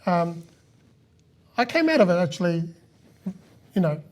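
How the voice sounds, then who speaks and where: A man's voice: high-pitched, sing-song, unhurried. A man hosting a podcast, talking in a casual, conversational interview style. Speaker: podcast host.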